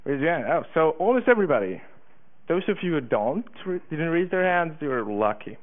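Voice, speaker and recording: A man's voice: fairly high pitch, big pitch swings, normal speed. An eighteen-year-old man from Hungary giving a conference talk, eager, with many fillers and restarts. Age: teens. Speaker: conference speaker. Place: conference room. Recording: tinny phone-like conference recording.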